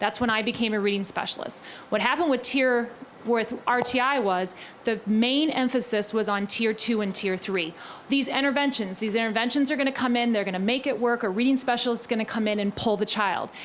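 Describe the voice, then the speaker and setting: A woman with a fairly high voice speaks in an animated, passionate tone at a fairly quick pace, with ordinary pitch variation and very even loudness. Noticeable background noise sits behind her. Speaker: reading specialist. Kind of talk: panel discussion.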